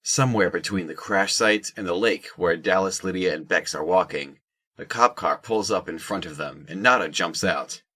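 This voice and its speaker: A man's voice: low voice, moderate pace, bright, forceful tone. A man narrating a scripted audio drama in the third person.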